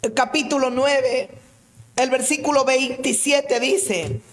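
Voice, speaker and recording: A woman evangelist delivers a sermon with fervent emotion, her delivery swelling toward tearful peaks. Her voice sits high, and she takes her time, drawing out each phrase slowly. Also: fairly even intonation. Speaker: evangelist preacher.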